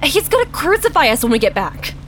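A woman's voice: high voice, big pitch swings, brisk, a bit bright. A woman acting in an audio drama as an exasperated, protective young woman who also narrates in the first person. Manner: exasperated, sighing. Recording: engine and outdoor ambience noise.

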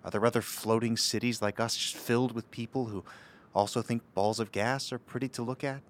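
An actor playing an earnest, anxious young city leader in an audio drama, speaking in a hesitant, halting way. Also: male voice, mid-range voice, fairly even intonation, a little hiss or hum, natural voice. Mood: wistful.

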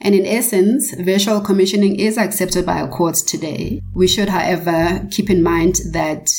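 Woman, low pitch, formal, measured delivery, explanatory, prepared panel discussion. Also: steady tone, a little mellow.

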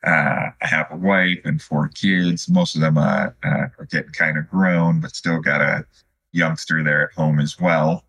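A man in his fifties from Chicago speaks as an interview guest. His voice is low, husky and forceful, and he talks in a reflective, conversational manner with a halting flow. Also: flat delivery. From Chicago, United States. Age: 50s. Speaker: podcast guest, student physical therapist.

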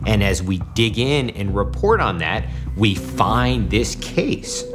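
An American man, a journalist giving explanatory commentary in a documentary interview. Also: on the low side.

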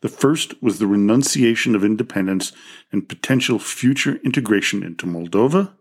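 A history podcast host reads scripted narration in a fairly low, husky voice at a brisk clip. He makes the odd small slip and corrects himself along the way.

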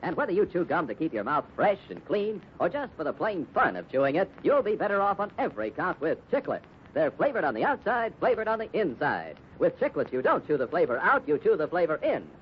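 A man's voice: fairly high pitch, very animated, brisk. A man with an American accent reading adverts as an announcer in 1950s radio style. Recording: muffled, hissy old radio recording.

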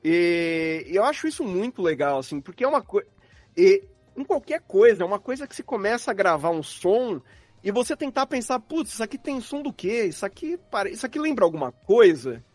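High-voiced Brazilian man chatting casually. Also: sing-song, brisk, a little mellow, no echo, soft background music. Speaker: guest sound designer. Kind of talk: casual interview chat about craft.

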